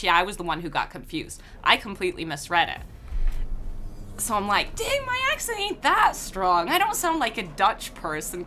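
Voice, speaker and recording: Lively Swiss woman chatting on a stream. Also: medium pitch, a little hiss or hum. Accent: slight American-influenced English. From Switzerland. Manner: chatty, laughs often, reads chat aloud. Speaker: game streamer. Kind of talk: casual livestream chat.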